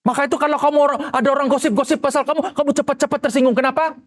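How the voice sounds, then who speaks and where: Very high-voiced male pastor preaching. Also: rapid-fire. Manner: animated, rhetorical questions, acts out quoted voices. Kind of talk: sermon.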